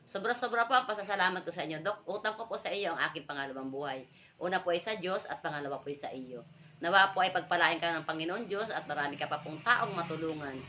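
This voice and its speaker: A woman with a fairly low voice talks at a very fast pace with lively intonation over noticeable background noise. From Philippines, Quezon province. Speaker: cancer survivor. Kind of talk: testimony. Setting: recorded video message.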